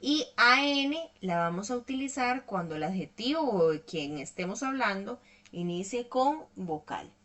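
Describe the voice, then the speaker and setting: A woman's voice: medium pitch, expressive, a little slow, fairly bright tone. A woman teaching an online English lesson, explaining patiently step by step and checking in often with her students.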